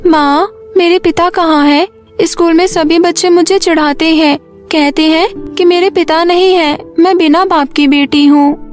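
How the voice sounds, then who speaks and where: A woman voicing a stubborn but affectionate young schoolgirl, pleading and childlike, in an animated story. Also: very high voice, unhurried, soft background music, pitched above the performer's own voice. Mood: pleading, insistent.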